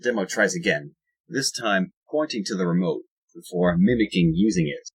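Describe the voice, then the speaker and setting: A man with a husky voice reading scripted audio drama narration, with wry asides. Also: low voice, moderate pace, low-quality recording.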